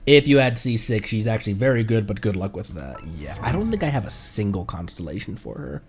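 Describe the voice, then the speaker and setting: A man's voice: lowish voice, very animated, fairly quick, a little mellow. A man giving casual, rambling live game commentary and chatting playfully with viewers. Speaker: game streamer, VTuber.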